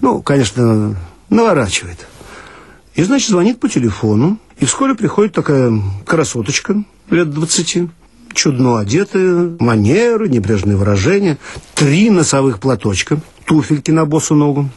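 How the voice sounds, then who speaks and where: A man's voice: a little high, very animated, moderate pace, a little mellow, slightly rough, no echo. A man reading humorous first-person stories for radio in a mock-earnest, ironic manner. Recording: archival radio recording with guitar music. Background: guitar music.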